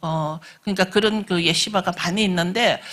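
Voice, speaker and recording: A woman's normal speaking voice at a medium pitch and moderate pace, with ordinary pitch variation. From South Korea, Busan. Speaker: pastor. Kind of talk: sermon.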